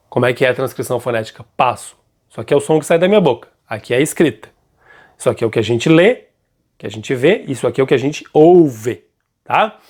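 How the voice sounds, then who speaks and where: A man teaching a grammar lesson, keeps checking in with his students and slows down to stress key points. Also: mid-range voice, darkish tone. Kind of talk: classroom-style grammar lesson.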